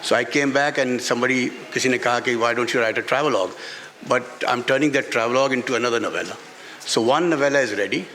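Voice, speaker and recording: A Pakistani-accented man, an author and playwright, talks unscripted in an onstage interview at a festival book event before an audience. His mid-range voice has a fairly bright tone, and his delivery is halting, with phrases repeated for emphasis. Faint background noise sits under the hall reverb.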